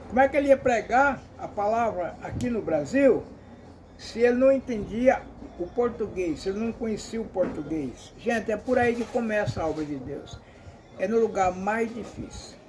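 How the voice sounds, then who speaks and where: A man's voice: sits high, moderate pace, a little mellow, slight background noise, rough recording. A Brazilian man giving an emphatic, repetitive commentary monologue, often calling out to his listeners.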